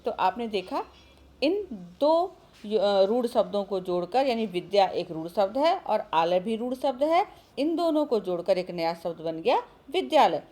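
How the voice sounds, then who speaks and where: A woman's voice: mid-range voice, very animated, moderate pace, mellow. A woman teaching a grammar lesson to schoolchildren, calling them often and asking questions she then answers herself. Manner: addresses children often, asks and answers her own questions. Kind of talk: recorded online grammar lesson.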